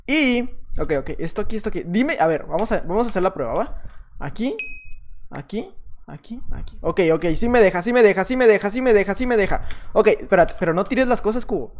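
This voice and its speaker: A gaming channel host with a Mexican accent offers casual, chatty gameplay commentary, looping short phrases again and again and now and then erupting into loud, excited yelling. His voice is high and his pace a little fast.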